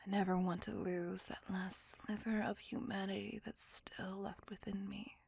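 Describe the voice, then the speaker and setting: A woman voicing a brooding, possessive female vampire in a whispered ASMR roleplay, speaking in a soft, breathy, gravelly whisper close to the mic. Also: mid-range voice, level tone, a little slow, no echo. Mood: brooding confessional. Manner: soft confessional whisper throughout.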